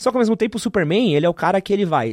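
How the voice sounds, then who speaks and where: The recording is dry and close with no echo over a quiet background, carrying a man's high-pitched voice. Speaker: podcast host. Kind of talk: casual chat; sales pitch.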